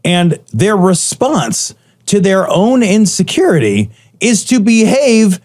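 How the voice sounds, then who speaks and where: Man, high lively voice, sarcastic, indignant, hammers points. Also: slow pace. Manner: indignant, sarcastic, emphatic repetition. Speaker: podcast co-host. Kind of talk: casual chat.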